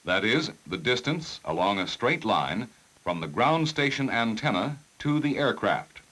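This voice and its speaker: A man reading scripted technical narration for a 1960s instructional film in a formal, measured, precise manner. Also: medium pitch, sing-song, bright, forceful tone.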